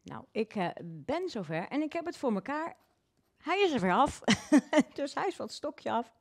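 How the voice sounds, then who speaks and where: A cheerful woman nail technician talks through her work step by step in a live online workshop. Her voice sits a little high and moves lively up and down. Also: moderate pace.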